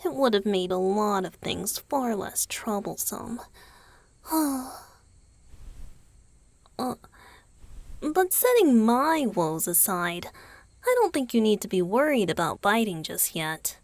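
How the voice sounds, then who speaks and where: A woman voicing a gentle, youthful male vampire boyfriend in a romantic ASMR roleplay, soft and hesitant. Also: medium pitch, no echo. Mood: wry, sighing. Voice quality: soft, breathy, husky. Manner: hesitant, tender, sighing delivery.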